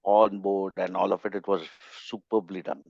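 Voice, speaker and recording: A man with an Indian English accent, a member of a coaching chapter, giving opinions in a casual online meeting with emphatic, halting phrasing. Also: sits low, level tone, creaky, a little mellow, no room sound. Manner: opinionated, emphatic, with pauses and restarts. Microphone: video call. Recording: slightly dull call audio.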